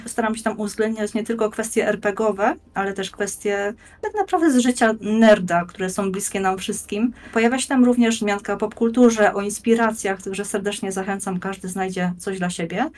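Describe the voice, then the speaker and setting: A woman in her thirties speaking as a guest, explaining things in a measured, articulate and rather formal way. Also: mid-range voice, darkish tone. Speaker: guest, blogger and game master. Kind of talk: conversational explanatory presentation. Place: plain room indoors, on video call.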